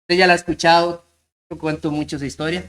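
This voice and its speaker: A man preaching a sermon, telling a story earnestly and slowing down on key points. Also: a little high, flat delivery, fairly bright tone. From Costa Rica. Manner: storytelling, earnest, slows down for emphasis.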